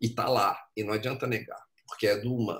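The pace is fairly quick. The background is quiet. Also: man. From Brazil. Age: 50s. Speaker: novelist and diplomat; guest. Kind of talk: public conversation. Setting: video call. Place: home room. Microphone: webcam.

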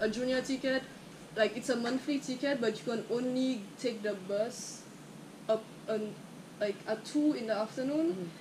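Against noticeable background noise, a woman speaks at a moderate pace with ordinary pitch variation and long, frequent pauses. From Caribbean (Saint Lucia). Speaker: YouTuber. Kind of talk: casual chat. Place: home room. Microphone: camera far.

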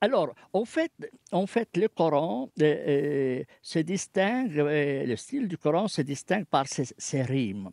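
Speaking very slowly with a slight Swiss accent, a man uses a fairly high pitch and very wide pitch swings. The sound is dry with no echo over a quiet background. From Palestine. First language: Arabic (speaking French). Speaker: professor and Quran translator; professor. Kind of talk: radio interview. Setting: remote studio link. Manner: hesitant, many fillers. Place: studio.

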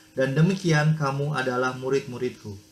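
The pace is moderate, and the speaker is a man. His pitch is fairly high, with fairly even intonation. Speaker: participant reading scripture aloud. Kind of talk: reading aloud. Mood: calm, reverent. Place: home room. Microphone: studio mic.

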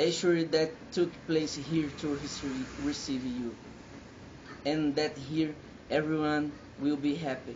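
Speaking very slowly with a Portuguese accent, a man leaves long, frequent pauses amid noticeable background noise. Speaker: video blogger. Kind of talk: video message. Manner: halting. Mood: earnest, welcoming. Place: shop. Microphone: webcam.

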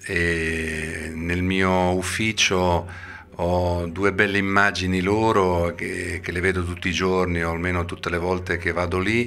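A man speaks at a very slow pace with a very deep, low pitch. His intonation stays monotone and flat. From Rimini, Italy; Italy. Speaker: impressionist entertainer; comedian impersonator interviewed. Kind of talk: backstage interview. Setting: theatre dressing room. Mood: warm, fond storytelling. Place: home room. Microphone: handheld.

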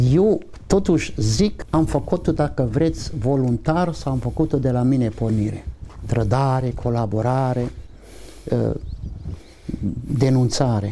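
The speaker has a German accent and a fairly slow pace, with long, frequent pauses. Loudness stays very even, and pitch varies in an ordinary way. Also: man, medium pitch for a man. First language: German (speaking Romanian). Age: 70s. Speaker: Lutheran pastor and writer. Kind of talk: casual conversation while walking in cemetery.

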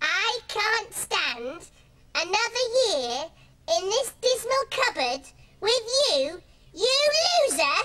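A man speaks in a cartoonish character voice at an extremely high pitch, going very slowly with long, frequent pauses. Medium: puppet. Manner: camp, theatrical.

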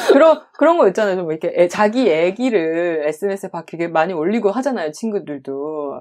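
A woman at medium pitch talks with hardly any pauses. Her pitch swings very widely. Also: fairly quick pace. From Gyeongsang region, Daegu, South Korea. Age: 30s. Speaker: podcast producer. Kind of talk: casual chat.

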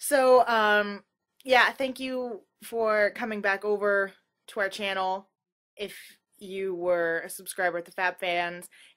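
A woman in an American accent, very slow, with ordinary pitch variation and a quiet background. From Pennsylvania. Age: 20s. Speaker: YouTuber, substitute teacher. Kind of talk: casual vlog introduction. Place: home room. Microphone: webcam.

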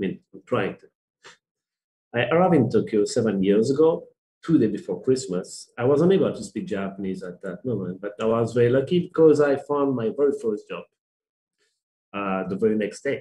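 A man with a French accent speaks at a fairly quick pace in a dark, mellow tone. His pitch swings very widely, his loudness shifts a lot, and long pauses come often. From Belgium, French-speaking part. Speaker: bootcamp graduate giving a tech talk; conference presenter. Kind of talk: tech talk presentation. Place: home room. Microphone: headset.

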